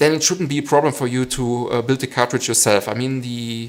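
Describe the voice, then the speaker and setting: Noticeable background noise sits behind a man speaking with a German accent. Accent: obvious German. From western Germany. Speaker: maker and YouTuber. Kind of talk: live stream Q&A. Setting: live stream. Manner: hesitant, many fillers.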